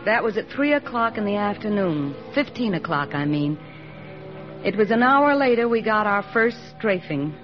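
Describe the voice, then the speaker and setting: An actress playing an eager young army nurse. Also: female voice, mid-range voice, sing-song, moderate pace, music in the background, natural voice. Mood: narrating. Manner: earnest, eager, soft. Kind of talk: 1940s radio acting. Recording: dull old radio recording.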